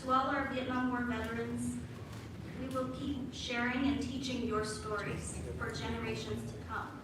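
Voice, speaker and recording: A woman giving a measured, earnest prepared speech at a commemoration event. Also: fairly high pitch, level tone. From United States. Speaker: guest speaker. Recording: echoey hall, voice from far off, noisy.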